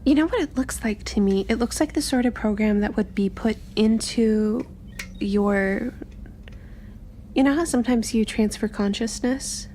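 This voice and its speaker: Woman playing a high-voiced, curious young tinkerer girl. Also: a little slow, warm tone, a little hiss or hum, lightly acted. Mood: curious, absorbed. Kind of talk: improvised tabletop roleplay, casual.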